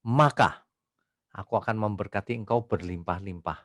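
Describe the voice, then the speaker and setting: A male pastor teaching an online Bible study, reading scripture slowly and asking rhetorical questions. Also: on the low side, expressive, no echo. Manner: reads scripture aloud slowly.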